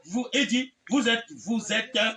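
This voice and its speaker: A man preacher delivering a fervent sermon, shouting and calling out repeated amens. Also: very high-pitched, measured pace. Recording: distant mic with faint background noise.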